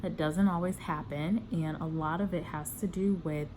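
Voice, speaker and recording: Woman, deep-pitched voice, informal advice vlog, conversational delivery, noticeable background noise. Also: fairly even intonation, normal speed. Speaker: corporate recruiter giving job interview advice. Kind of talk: casual advice vlog to viewers.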